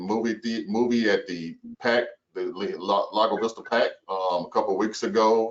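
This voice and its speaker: This man's voice sits at a fairly low pitch. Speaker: city staff member. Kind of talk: public meeting. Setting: conference call. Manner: slow.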